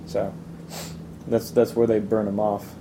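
A young man from Italy chatting casually in an interview, relaxed and halting, with lots of fillers and restarts. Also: lowish voice, noisy background. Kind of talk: casual chat.

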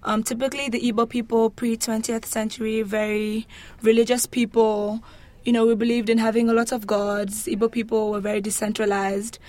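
A woman's voice: a little high, flat delivery, fairly quick, a little mellow. A young woman from Nigeria answering interview questions in a conversational, explanatory and articulate way. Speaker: interview guest.

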